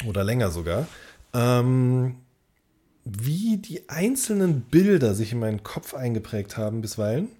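A man's voice: mid-range voice, sing-song, a little slow, dark tone, husky. Man in casual podcast chat. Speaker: podcast co-host.

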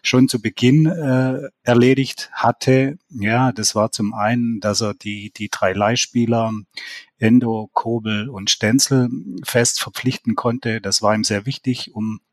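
Male podcast guest, mid-pitched, halting delivery full of fillers, dry home recording. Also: steady tone, no echo. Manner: hesitant, many fillers. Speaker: football reporter guest. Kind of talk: casual podcast discussion. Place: home office.

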